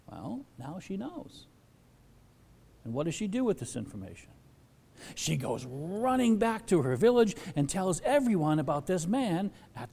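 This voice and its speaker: A man preaching from the pulpit with a lively, swooping delivery, and his voice rings out in a long hall echo. His tone is mellow and warm, and he slips into the voices of the people he quotes. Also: fairly high pitch, slightly rough. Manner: animated, acts out quoted voices. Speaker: pastor. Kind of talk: sermon.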